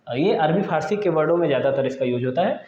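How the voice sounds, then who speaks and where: A man's voice: on the high side, animated, fast talker, roomy sound, lo-fi sound. A man teaching an exam-prep grammar lesson, explaining patiently and often repeating key points to his students.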